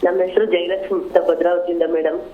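A woman's voice: fairly low pitch, level tone, fairly quick, slight background noise. Woman caller crying, short plain answers, thin phone line, echoey.

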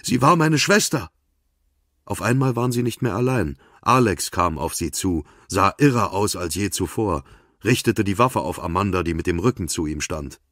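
A man's voice: low voice, lively intonation, moderate pace, fairly bright tone, no room sound, clean studio sound. A man narrating a thriller audiobook in terse, tense scripted prose.

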